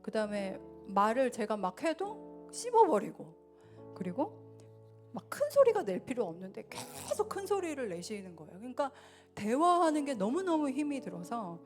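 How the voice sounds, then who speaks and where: A woman delivers a church sermon in an earnest voice that swells louder and then drops low. Soft instrumental music plays faintly behind her. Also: sing-song, normal speed. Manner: earnest, rises and falls in loudness. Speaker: preacher. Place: church sanctuary.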